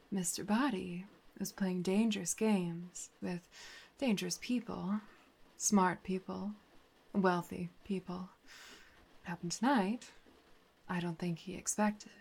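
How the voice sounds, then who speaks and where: A woman's voice: lowish voice, gravelly, darkish tone, slightly rough, exaggerated voice. A woman playing a sultry, dominant, mysterious woman in an erotic audio roleplay, whispering and moaning breathily. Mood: teasing, cryptic.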